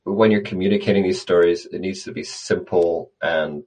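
Man, very low voice, conversational interview guest, measured, repeats words as he thinks. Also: steady tone, a little mellow. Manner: thoughtful, restarts phrases often. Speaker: conservation guest.

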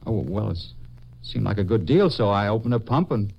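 An actor playing a nervous, evasive young Army soldier with an American accent, halting and pleading, in 1950s radio drama style. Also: male voice, on the low side, animated, vocal fry, slightly rough, dull audio, full character voice. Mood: defensive, halting.

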